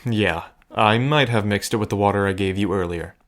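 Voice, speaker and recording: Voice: sits low, normal speed, close to an everyday voice. A performer acting a protective, stubborn friend in an audio drama, speaking firmly with dry sarcasm and care. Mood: gentle, wry. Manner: firm, sarcastic, caring.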